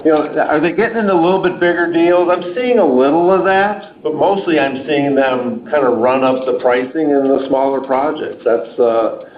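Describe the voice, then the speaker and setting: A man's voice: a little high, moderate pace, few pauses. A man speaking as a company executive, answering off the cuff on an earnings call in a conversational, stop-and-start way. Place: indoor room on a conference call. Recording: roomy muffled conference call, noisy.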